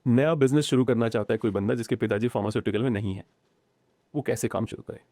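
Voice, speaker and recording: A man in a relaxed podcast chat with a mellow, darker tone. He sounds animated and opinionated, and English phrases slip into his talk. The sound is close and dry, like a studio mic. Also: medium pitch, fast, no echo. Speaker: podcast guest. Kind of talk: casual conversation.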